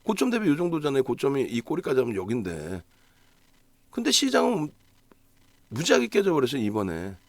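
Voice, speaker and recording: A man's voice: mid-range voice, very animated, quick pace, hardly any pauses, dry recording. A man giving a solo stock market analysis broadcast, talking emphatically, asking himself rhetorical questions and checking in with the audience.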